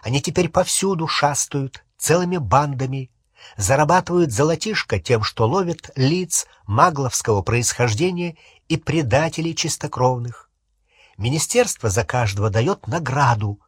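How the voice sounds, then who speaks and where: A man's voice: mid-range voice, expressive, moderate pace, slightly rough, no echo, clean studio sound. A man reading an audiobook, voicing a guilty teenage boy wizard who pleads and argues back. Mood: defensive pleading. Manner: pleading, then shouting back.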